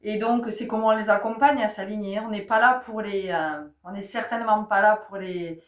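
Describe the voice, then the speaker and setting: A middle-aged woman, stuffy-nosed from a cold, gives a casual spiritual talk straight to her listeners, often breaking into laughter. Her medium-pitched voice holds a fairly even intonation at normal speed. The distant mic picks up a roomy sound.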